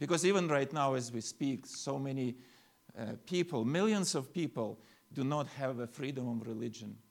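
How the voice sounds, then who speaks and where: A man with a Ukrainian accent speaks at a moderate pace and a fairly high pitch. The recording is very clean, with a silent background. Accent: Ukrainian-accented English, noticeable. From Kiev, Ukraine. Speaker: preacher. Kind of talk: sermon. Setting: church.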